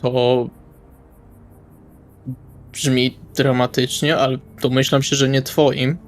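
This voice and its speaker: Playing a tabletop role-playing game, a man improvises dialogue in a casual, wry, colloquial manner. His voice is mid-range with little pitch movement and a slow pace, and music plays in the background.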